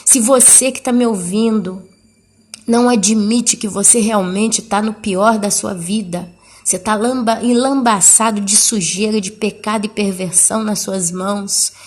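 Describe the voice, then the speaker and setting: A woman's voice: mid-range voice, fairly even intonation, unhurried. Fervent woman preacher. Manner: fervent, pleading, addresses the listener directly. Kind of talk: sermon.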